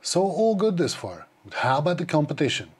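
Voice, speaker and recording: A man's voice: fairly high pitch, very animated, a little fast, background noise. Man reviewing mic gear in small studio. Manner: explanatory, matter-of-fact. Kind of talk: scripted product review. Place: small dim studio, indoors. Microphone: clip-on wireless mic.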